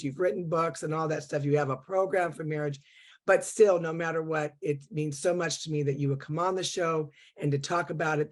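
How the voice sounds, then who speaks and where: A woman's voice: sits low, darkish tone. A woman hosting a Christian interview show, upbeat and chatty with many fillers. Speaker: host.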